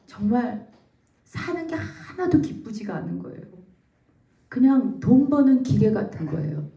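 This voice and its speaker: A woman in her forties giving a heartfelt church testimony, telling her story with lively acted-out quotes. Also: a little high, unhurried, vocal fry. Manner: animated storytelling, acts out quotes, laughs and nearly cries. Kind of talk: emotional testimony. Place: church sanctuary. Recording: echoey church room, mic at a distance.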